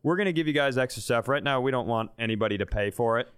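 Male podcast co-host, smooth clear voice, medium pitch, casual informal chat. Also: fast talker, fairly bright tone, dry recording, clean studio sound. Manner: informal, swearing.

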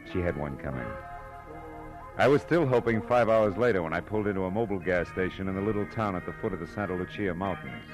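A man acting a hard-boiled private eye from a vintage radio serial. His voice is very low, and his delivery is wry, clipped and world-weary. Music plays behind him. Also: natural voice, rough recording. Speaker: lead actor and narrator. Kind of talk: 1940s radio detective narration and dialogue.

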